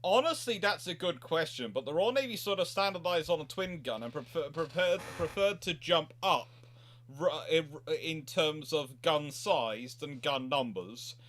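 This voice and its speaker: A man's voice: a little high, animated, moderate pace, a bit bright. A man hosting a history question-and-answer chat, explaining in a rambling way and often correcting himself mid-sentence. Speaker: livestream host.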